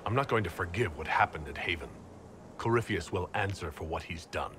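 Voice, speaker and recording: Casting: resolute male horned commander in a fantasy game, deep-ish, serious, steady delivery. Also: moderate pace, a little hiss or hum. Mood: determined. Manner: serious, steady, plain-spoken. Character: resolute, stern, large horned male warrior leader. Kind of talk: fantasy video game acting.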